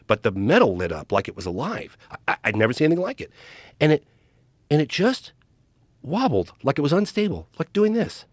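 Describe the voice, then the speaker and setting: Animated middle-aged man telling a story. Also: fairly high pitch, brisk, no echo. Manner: animated, acts out quoted dialogue. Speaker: documentary filmmaker guest. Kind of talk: casual storytelling in a podcast interview.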